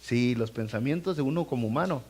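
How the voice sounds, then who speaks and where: A man preaching a sermon as pastor in a church. He talks to the congregation directly and acts out scenes with animated voices. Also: medium pitch, brisk, husky. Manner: conversational, addresses the congregation directly. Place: church sanctuary.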